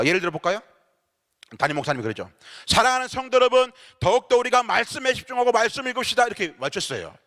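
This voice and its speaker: A man's voice: on the high side, fairly bright tone. A man from Seoul, a pastor leading a church seminar, giving a playful, teasing lecture that keeps addressing the audience directly. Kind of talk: lively humorous seminar lecture. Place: church sanctuary. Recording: long hall reverb in a church.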